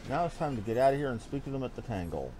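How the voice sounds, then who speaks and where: A man's voice: mid-range voice, big pitch swings, racing, mellow, faint music behind. A middle-aged man chatting casually and ramblingly as he streams a game.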